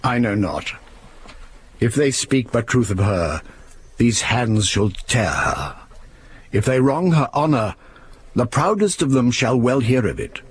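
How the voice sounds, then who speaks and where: An actor playing an aging, grieving father, proud and wrathful, declaiming Shakespearean verse in a husky voice. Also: mid-range voice, very animated, measured pace, long pauses. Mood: defiant. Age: older.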